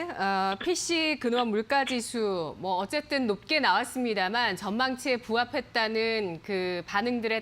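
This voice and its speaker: A female news anchor sums up market views and hands off to the next segment in a polished, composed manner. Her voice sits a touch high. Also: a bit bright. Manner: polished, summarizing questions. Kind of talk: financial news hosting.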